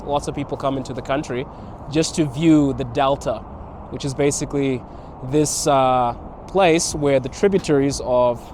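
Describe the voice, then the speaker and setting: A man's voice: mid-range voice, a little mellow, slight background noise. A man from Botswana, a guest content creator, answering interview questions outdoors in a reflective way and laughing between thoughts. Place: outdoors in a city park.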